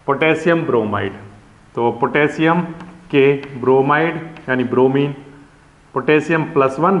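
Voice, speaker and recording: A man teaching a chemistry lesson, patiently walking students through each step and often checking they follow. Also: medium pitch. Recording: roomy, dull lo-fi sound.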